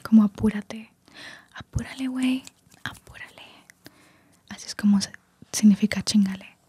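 A woman's voice: mid-range voice, little pitch movement, normal speed, mellow, breathy edge. A woman whispering ASMR-style into a close singing microphone, explaining slang and mixing in English words. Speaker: vlogger teaching slang.

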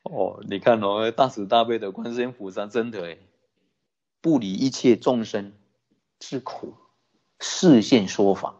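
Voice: medium pitch, a little slow, mellow. A Buddhist teacher giving a sermon, telling a story with many rhetorical questions. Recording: dull lo-fi recording.

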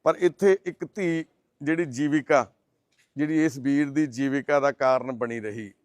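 A middle-aged man, a charity volunteer, making a heartfelt appeal and gently consoling and questioning the people he visits. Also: mid-range voice, normal speed, no echo. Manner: earnest, gently consoling, explanatory. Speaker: charity volunteer presenting a case. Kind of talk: heartfelt appeal and on-site interview.

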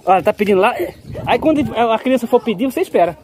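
A man's voice: extremely high pitch, expressive, fast talker, darkish tone. A man hosting a casual outdoor family vlog, playful and coaxing, now and then breaking into a sing-song street-seller's call. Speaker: vlog host.

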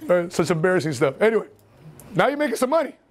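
A man in his forties giving an animated motivational seminar talk in a training room, laughing and acting out scenes as he paces. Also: sits high, very fast. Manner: paces and gestures in front of the audience. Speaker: seminar speaker. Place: indoor training room with whiteboard and seated audience.

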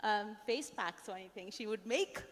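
A woman's voice: medium pitch, normal speed. A woman chef speaking on a conference panel, telling stories with hesitant fillers into a handheld mic. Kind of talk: panel discussion on stage. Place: large conference stage. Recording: long hall reverb.

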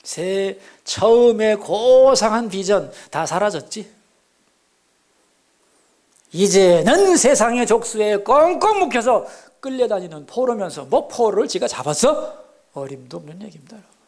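Animated high-voiced Korean pastor preaching. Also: male voice, unhurried. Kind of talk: sermon. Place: church sanctuary.

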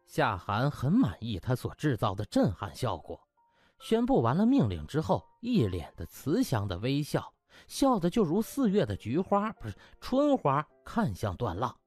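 A man's voice: medium pitch, wildly swooping pitch, moderate pace, darkish tone. A man narrating an audiobook in a dramatic, colloquial storytelling style, theatrical with rhetorical questions and exclamations. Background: background music.

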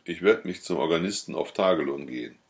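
A man's voice: sits low, animated, brisk. A man voicing a grumbling, proud young peasant husband with a curt, scornful delivery, in an audiobook. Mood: sullen.

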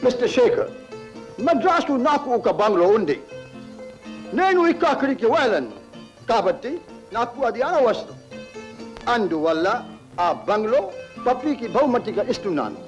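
A man's voice: very high-pitched, sing-song, measured pace, long pauses, soft background music, heavily acted, poor audio. An actor playing a kind, generous estate owner who talks formally and mixes English phrases into his lines, in 1960s film drama dialogue. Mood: warm.

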